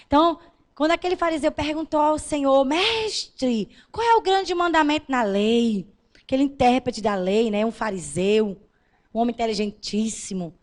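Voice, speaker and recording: A woman pastor delivering a fervent sermon in a high, bright voice. She speaks straight to the congregation, building to loud emphatic declarations, then dropping to soft, tender lines. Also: normal speed. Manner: addresses the congregation directly.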